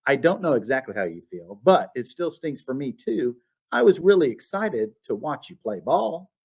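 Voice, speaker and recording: A man's voice: medium pitch, sing-song, moderate pace, creaky, a little mellow, breathy edge, full character voice. A man voicing a patient, slightly quirky storybook mother who coaches and encourages. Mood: sympathetic, coaching. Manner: encouraging, instructive. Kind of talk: storybook read-aloud.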